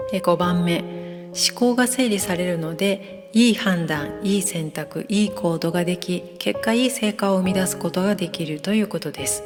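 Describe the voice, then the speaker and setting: With music in the background, a woman speaks at a moderate pace with hardly any pauses. Her voice is fairly low, with a calm tone and lively intonation. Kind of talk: guided meditation and wellness talk. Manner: calm, explanatory.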